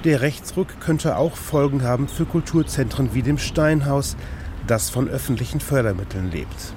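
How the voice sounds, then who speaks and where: Male radio reporter, measured scripted narration, faint noise behind. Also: mid-range voice.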